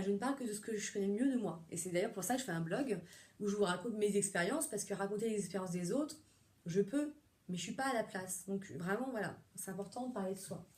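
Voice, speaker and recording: Chatty therapist woman, mellow voice. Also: medium pitch. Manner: chatty, rambling, many fillers and restarts. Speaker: psychotherapist. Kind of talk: casual monologue.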